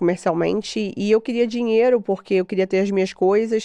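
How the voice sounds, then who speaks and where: With a Rio de Janeiro accent, a woman speaks at a moderate pace and medium pitch in a dark, mellow tone. Her intonation is fairly even, and the sound is dry and close with no echo. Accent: carioca. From Rio de Janeiro, Brazil (Barra da Tijuca). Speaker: entrepreneur, events and branding professional. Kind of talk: podcast interview.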